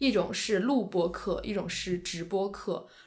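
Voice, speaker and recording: Audible room echo colors a woman's voice. She speaks at a fairly slow pace with ordinary pitch variation. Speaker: university student. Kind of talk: casual chat.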